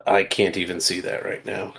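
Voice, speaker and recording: A man with a very low voice full of fry plays a tabletop game. He speaks casually, in terse replies. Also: little pitch movement, normal speed, a bit bright. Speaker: tabletop role-playing game player. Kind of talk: casual game chat and role-play.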